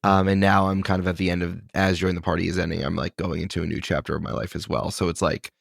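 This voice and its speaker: A man's voice: deep voice, flat delivery, fast talker, vocal fry, no echo, clean studio sound. A man in his thirties, a podcast host and game master, talking in a reflective, thinking-aloud way in casual chat. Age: 30s.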